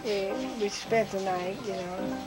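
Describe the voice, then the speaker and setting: Older woman, interviewee, animated anecdotes, acts out quotes, clear music behind. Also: mid-range voice, unhurried, poor audio. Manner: lively storyteller who acts out quotes with laughs. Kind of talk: recounting life memories.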